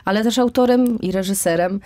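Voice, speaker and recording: A woman's voice: medium pitch, a little fast, warm tone. A woman in her thirties hosting a radio interview, feeling her way hesitantly through long questions. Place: radio studio. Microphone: studio mic, headphones.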